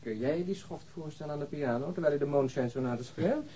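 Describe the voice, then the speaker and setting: A man's voice: fairly high pitch, quick pace, warm tone, slight background noise, close to an everyday voice. An actor in a radio drama playing a wry, uneasy policeman with a dry, sardonic, muttering manner. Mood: dryly mocking. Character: wry, uneasy policeman searching a flat, Lennart. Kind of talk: naturalistic radio drama acting.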